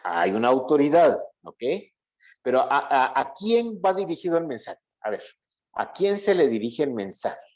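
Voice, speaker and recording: A man with a medium-pitched voice teaches the Bible to a congregation. He explains in a didactic way and often stops to ask short checking questions. The recording is dull and lo-fi. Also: very animated, moderate pace, darkish tone. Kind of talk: interactive Bible lesson to a congregation. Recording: dull, lo-fi, muffled audio.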